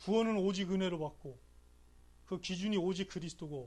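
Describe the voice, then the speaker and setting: At a fairly quick pace, a high-pitched man speaks with ordinary pitch variation. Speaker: pastor. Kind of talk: sermon. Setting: church service. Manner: animated, rhetorical questions to audience.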